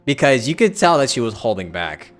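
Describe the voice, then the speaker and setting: A man's voice: mid-range voice, very animated, fairly quick. A man casually commenting while playing a story game on a live stream, chatty and joking. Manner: laid-back, joking, chatty.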